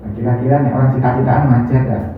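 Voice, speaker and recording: A preacher giving an animated sermon full of rhetorical questions. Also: medium pitch, quick pace, slight background noise. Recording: echoey hall, distant dull mic.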